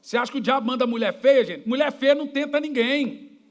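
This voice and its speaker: A man's voice: extremely high pitch, animated, quick pace. A male pastor with a Brazilian Portuguese accent, preaching a sermon in a church and telling stories with jokes and acted-out dialogue. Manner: storytelling, jokey, acts out quoted dialogue.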